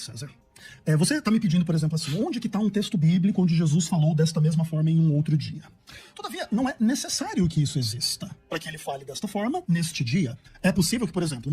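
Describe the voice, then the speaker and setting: A Brazilian man debating scripture on the radio in formal, measured phrasing, addressing his opponent directly. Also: high voice, a little mellow. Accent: Brazilian Portuguese.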